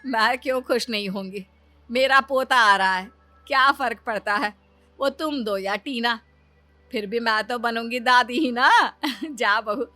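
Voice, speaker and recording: A stern older mother-in-law, voiced by a woman in a cartoon, bossy and quietly scheming as she tests her daughters-in-law. The voice is bright and forceful, a little high, with faint music underneath. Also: big pitch swings, a little slow, no room sound, heavily acted. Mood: commanding. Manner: bossy, testing. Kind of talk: Hindi cartoon voice acting.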